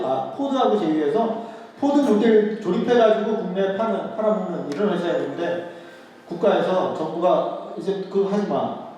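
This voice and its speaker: Man, higher voice, lecturer, conversational, rhetorical questions, echoey hall, distant mic. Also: darkish tone, a little hiss or hum. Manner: conversational, asks rhetorical questions and repeats key words. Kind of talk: history lecture to an audience.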